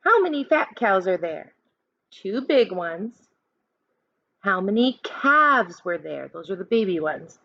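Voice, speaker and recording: In a dull, echoey room recording, a woman reads aloud to children as a teacher would. Her pitch swings up and down in a lively way as she poses questions and coaches the listeners. She takes her time, keeping an unhurried pace. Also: creaky. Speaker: teacher reading a picture book aloud to children. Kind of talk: animated children's read-aloud with counting questions.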